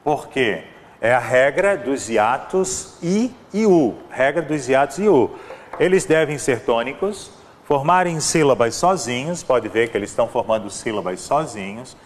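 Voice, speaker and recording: A man with a Brazilian accent teaching a grammar lesson for an exam, patient and explanatory, with a steady mid-range voice. He repeats his examples and keeps checking in with the class. The recording carries a long reverb tail and a faint background of room ambience. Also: mid-range voice, normal speed, slight background noise. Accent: Brazilian Portuguese. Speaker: Portuguese language teacher.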